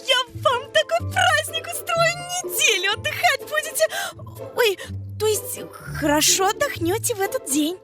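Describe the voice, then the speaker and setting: A flighty female idleness spirit for a children's cartoon. The voice sits extremely high and swoops freely as she stammers out playful, party-loving exclamations. Music plays clearly behind her. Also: animated, moderate pace. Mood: excited.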